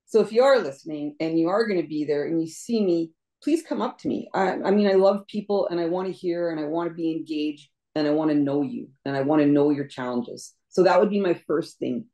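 A woman's voice: low voice, brisk, few pauses, mellow. A middle-aged woman, a deputy mayor running for office, answering earnestly over a video call from her home, often repeating words. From Canada. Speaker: deputy mayor, election candidate. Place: home room indoors. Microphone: laptop webcam on video call.

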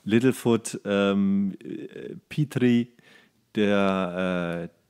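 A man's voice: on the low side, very slow, a little mellow, clean tone. A middle-aged man co-hosting a podcast, chatting casually in slangy, sometimes crude words while searching for the right term. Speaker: podcast co-host. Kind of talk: casual chat about comics and cartoons.

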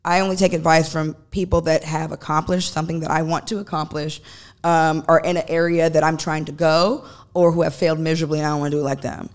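A woman's voice: sits low, little pitch movement, fast. A woman guest on a podcast, speaking into a studio microphone, telling stories bluntly and with animation, acting out what other people said. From United States. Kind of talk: candid storytelling conversation. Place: podcast studio, seated on a couch. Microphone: large studio mic on a boom arm.

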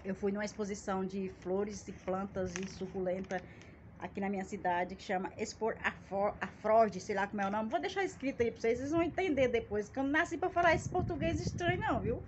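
A Brazilian woman in her forties runs a plant channel and chats casually to her phone held at arm's length, her medium-pitched voice moving fairly quickly in a folksy, self-mocking, jokey way. She's in a small outdoor yard full of plants beside a wall. The phone audio is dull, with background noise.

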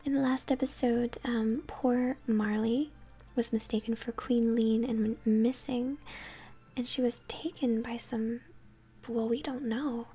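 A young woman giving gentle, chatty game commentary in a soft, breathy ASMR whisper. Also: a little high, steady tone. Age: young adult. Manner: gentle, chatty, unhurried narration of play. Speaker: game streamer, host. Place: small home room, indoors. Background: game music.

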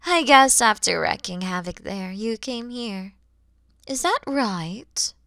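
A woman playing a kind, proud, mature dragon mother in an ASMR roleplay, with breathy delivery that often softens toward whispers and theatrical pauses. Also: a little high, lively intonation, dry recording, studio quality, exaggerated voice. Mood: incredulous, questioning.

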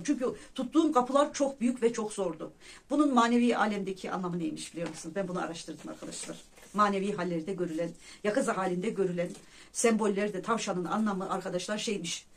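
Quick, earnest vlogger recounting personal spiritual experiences straight to camera. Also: mid-range voice. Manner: earnest, keeps addressing listeners as friends; tells about dreams and visions in a devout tone. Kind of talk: casual personal storytelling to viewers.

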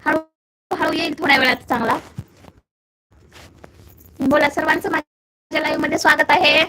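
A woman's voice: high-pitched, steady tone, moderate pace, bright, forceful tone, a little hiss or hum, low-quality recording. A young woman with a Marathi accent hosting a casual phone live stream, chatting with viewers and asking whether her audio comes through.

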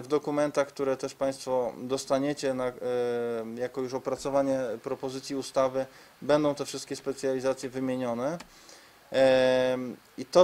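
A man in his thirties speaks as a spokesman at a press conference. His mid-range voice stays very even and flat. He is formal and measured, with hesitant pauses as he presents. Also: medium pitch. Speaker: medical reform spokesman. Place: conference room, seated at a table before a screen. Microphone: press microphones on the table.

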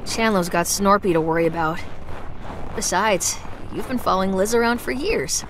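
A woman's voice: mid-range voice, normal speed, background noise, natural voice. A woman voicing a hardened, guilt-ridden furry adventurer in a cartoon video game, speaking bluntly and intensely. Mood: curt, determined. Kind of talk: animated video game character acting.

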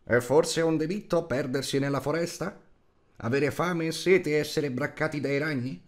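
Man acting out an indignant old dwarf, pitched up. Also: moderate pace, lightly acted. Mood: indignant, pleading. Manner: protesting, rhetorical questions. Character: indignant elderly male dwarf pleading his case.

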